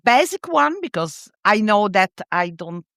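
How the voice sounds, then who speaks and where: A middle-aged woman from Italy, speaking English with an Italian accent as a podcast guest. She talks in a halting way, searching for words. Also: medium pitch, very animated, a bit bright, no echo, clean studio sound. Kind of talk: casual interview conversation.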